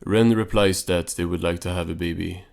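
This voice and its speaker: Low-voiced man doing a casual recap. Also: fairly even intonation, normal speed, gravelly, a little mellow. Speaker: video reviewer and narrator. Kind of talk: casual episode recap commentary.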